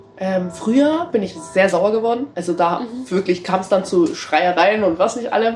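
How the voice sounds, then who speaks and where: A woman with a medium pitch talks while noticeable background noise is heard. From Bavaria, Germany (Ingolstadt). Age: 20s. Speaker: student and full-time employee, interviewee. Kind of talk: interview.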